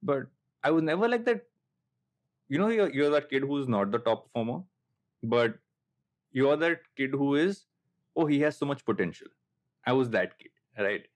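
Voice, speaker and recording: With long pauses between thoughts, a man in his late thirties from coastal Andhra Pradesh, India, hosts a podcast in an animated, mid-range voice at a moderate pace. His Telugu Indian accent carries casual, reflective stories in which he often makes fun of himself.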